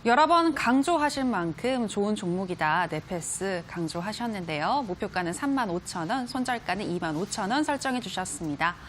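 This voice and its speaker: A woman hosts a stock broadcast in a smooth, scripted announcer manner. Her pitch moves in a lively way, and a faint noise sits under the recording. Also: brisk, few pauses. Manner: polished, scripted announcer delivery. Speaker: program host. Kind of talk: broadcast hosting.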